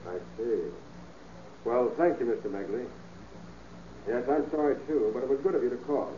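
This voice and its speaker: An actor playing a brisk, courteous private detective in 1940s radio drama style. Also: male voice, mid-range voice, expressive, mellow, natural voice. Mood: sober. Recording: phone-like noisy 1940s radio recording.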